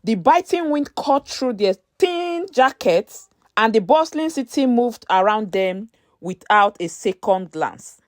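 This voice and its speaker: A woman narrating a scripted story in a measured, dramatic storytelling manner. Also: on the high side, big pitch swings, no echo, clean studio sound.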